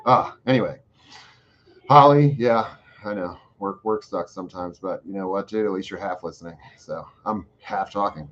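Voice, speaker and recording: A man's voice: low voice, moderate pace, a bit bright, lo-fi sound. A man hosting a casual live chat, answering viewer questions in a rambling, profane way with lots of fillers. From Florida. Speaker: host.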